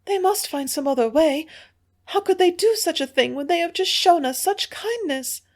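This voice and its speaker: A woman reading the part of a distressed young Earth woman, speaking in a high, tearful, pleading voice. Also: normal speed.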